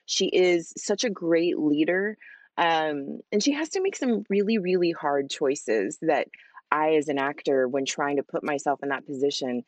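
A woman's voice: low-pitched, unhurried, no room sound. Enthusiastic woman voice actress, dry sound. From Hispanic family, father with Spanish accent. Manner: enthusiastic, animated, chatty with fillers. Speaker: voice actress guest. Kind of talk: casual interview answers.

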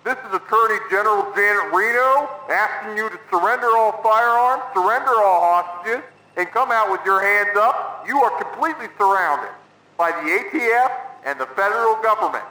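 A stiff, commanding official , played by a man, calls out through a megaphone in a high, sharp voice. His words bounce and echo over a faint hiss. He sounds scripted and formal. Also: lively intonation, normal speed. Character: male federal official ordering surrender.

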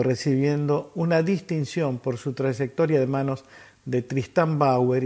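A male radio host with an Argentine Spanish accent speaks in a mid-pitched voice. He delivers reflective commentary in the manner of a personal tribute. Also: darkish tone.

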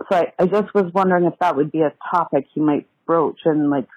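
Over a narrow, tinny phone line with some room echo, a woman speaks as a caller to an advice show. Her voice is husky, and she tells her story casually, pausing and hesitating as she goes. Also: deep voice. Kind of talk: casual, personal voicemail account.

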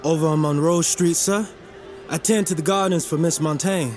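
An actor playing a shy young gardener who speaks deferentially, with hesitant stammers. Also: male voice, fairly high pitch, steady tone, moderate pace, darkish tone, soft background music, natural voice. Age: young adult.

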